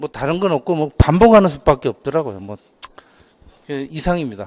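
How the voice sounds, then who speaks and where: Fairly high-pitched male voice at a fairly quick pace, with very wide pitch swings, big swings in loudness and dry, close sound with no echo. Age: 60s. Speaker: social work exam passer, facility worker. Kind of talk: testimony at gathering.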